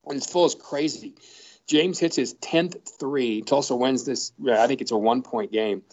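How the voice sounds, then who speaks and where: A man tells lively stories in a relaxed podcast chat, speaking in quick bursts. His voice sits mid-range, and the audio is slightly dull and lo-fi. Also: mid-range voice. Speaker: sports broadcaster and podcast regular. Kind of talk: casual storytelling chat.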